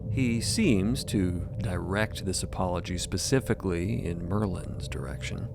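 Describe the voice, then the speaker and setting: A man's voice: low voice, lively intonation, a little slow, gravelly, background noise. A man narrating a scripted audio drama as a storyteller.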